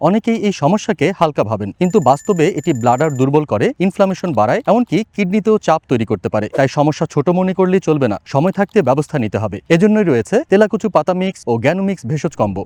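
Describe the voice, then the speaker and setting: A man's voice: on the high side, a little mellow, dry recording. A man reading scripted advertisement narration as a voice-over artist, with a persuasive, emphatic sales delivery.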